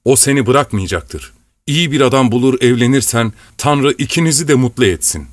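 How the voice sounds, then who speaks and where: A man's voice: medium pitch, lively intonation, a little fast, no echo, lightly acted. Stern old fort commander, voiced by a male audiobook reader, fatherly, raised voice, dry. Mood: tender farewell. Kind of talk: audiobook character voice.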